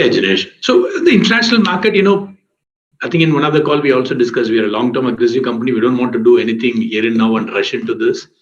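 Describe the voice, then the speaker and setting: A man speaking as a company executive, answering questions on an earnings call in an explanatory, repetitive way. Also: fairly low pitch. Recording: muffled, roomy conference call audio.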